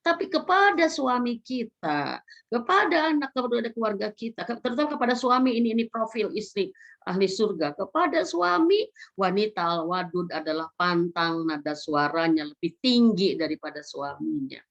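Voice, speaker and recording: A woman, giving a religious lecture to a women's study group and asking gently persuasive rhetorical questions. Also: medium pitch, very animated, normal speed. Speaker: Islamic women's study teacher. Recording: slightly dull lo-fi recording.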